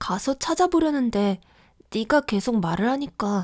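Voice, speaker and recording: A woman speaks at a fairly slow pace, her fairly high voice carrying lively intonation. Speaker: audiobook narrator. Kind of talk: audiobook reading. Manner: natural, expressive with character acting.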